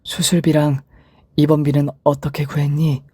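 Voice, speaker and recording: A man's voice: fairly high pitch, completely flat delivery, moderate pace, breathy edge, no echo, clean studio sound. A man voicing a frail, apologetic old mother. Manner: soft, weak, apologetic. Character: frail, apologetic older mother after surgery.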